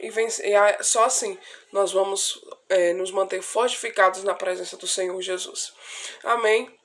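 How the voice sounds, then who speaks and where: With noticeable background noise, a woman talks at a moderate pace in a medium-pitched voice with monotone, flat intonation. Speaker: online Bible reader. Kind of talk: Bible reading with devotional talk.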